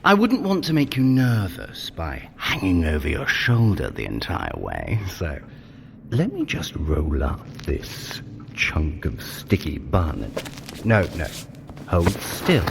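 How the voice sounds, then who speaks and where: Sly trickster god, pompous, mock-innocent, wildly animated pitch, long hall reverb, audio drama. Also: male voice, takes it slowly, creaky, noisy background, heavily acted. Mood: sly, fussy. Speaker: guide of a training adventure.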